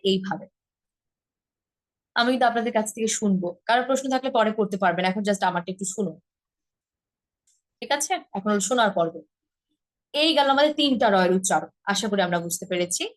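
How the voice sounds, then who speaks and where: A woman teaching a pronunciation lesson from her home, patiently repeating each word slowly to demonstrate. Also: a little high, animated. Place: rented home in a city.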